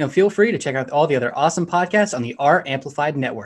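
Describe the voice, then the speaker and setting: Very fast, energetic, somewhat breathy delivery with lively intonation in a very clean recording with a silent background. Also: man. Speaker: podcast host. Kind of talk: casual chat. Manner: energetic, faster talker for intros.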